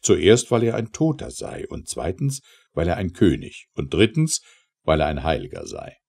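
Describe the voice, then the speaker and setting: A man narrating an audiobook of verse in a theatrical, declamatory manner with measured phrasing and pauses. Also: deep voice, huge pitch swings, creaky, darkish tone, breathy edge. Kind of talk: dramatic recitation of satirical verse.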